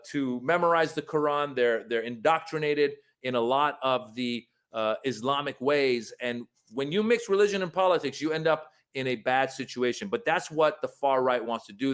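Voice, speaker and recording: A man from Iran delivering political commentary, earnest and pressing his point. He pauses often on fillers, and his pitch sits at an ordinary middle level.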